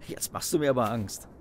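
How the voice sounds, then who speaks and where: An actor playing a joking fiancé who works as a lawyer, with a gravelly voice. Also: male voice, mid-range voice, slight background noise. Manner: joking, brisk.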